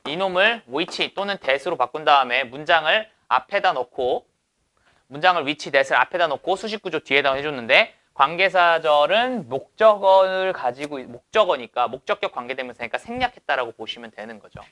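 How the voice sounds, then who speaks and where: A bright-voiced, lively male English teacher lectures on exam passages at a moderate pace, his voice on the high side. He poses rhetorical questions and then answers them.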